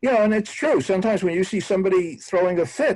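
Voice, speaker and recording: A high-pitched man with a New York accent. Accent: New York American. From US Northeast (Brooklyn, New York). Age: 70s. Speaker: rabbi. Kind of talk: lecture. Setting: video call. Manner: halting.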